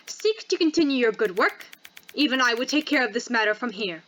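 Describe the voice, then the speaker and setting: A woman acting out a cold, commanding female cult leader from a visual novel, formal in her judgments. The voice is high and bright, with clear background noise. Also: lively intonation, a little fast, rough recording. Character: stern cult leader lady passing judgment at an assembly.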